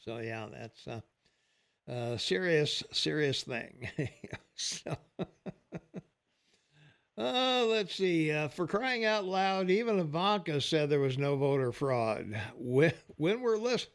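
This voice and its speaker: Older radio co-host, retired man in his sixties, fairly high voice, halting delivery full of uhs. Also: very animated, clean tone. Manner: halting, many uhs, reads listener texts aloud. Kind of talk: casual talk radio banter.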